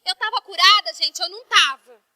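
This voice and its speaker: A woman pastor from Brazil preaches with a very high, bright, sharp voice. The sound is dry and close, with no room around it. She talks to the congregation in a chatty, heartfelt way. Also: a little fast, dry recording. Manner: conversational, emotional preaching with quoted dialogue. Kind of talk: sermon.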